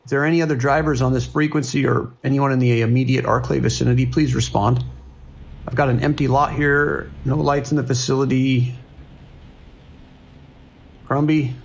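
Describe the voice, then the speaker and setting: A man's voice: mid-range voice, steady tone, moderate pace, vocal fry, pauses often. A man playing an earnest, worried long-haul trucker and army veteran in a horror audio drama, speaking plainly and steadily in radio procedure. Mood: searching, uneasy.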